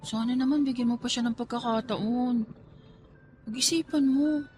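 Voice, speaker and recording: A woman's voice: a little high, normal speed, background noise, natural voice. A woman playing a loyal young niece who pleads earnestly in a radio romance drama. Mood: gently pleading. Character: pleading, loyal young niece defending her heartbroken aunt.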